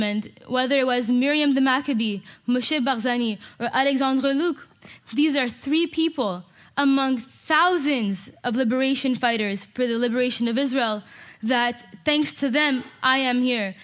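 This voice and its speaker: A woman's voice: high voice, fairly bright tone. A woman from Canada giving an impassioned, emphatic public talk to an audience. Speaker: speaker.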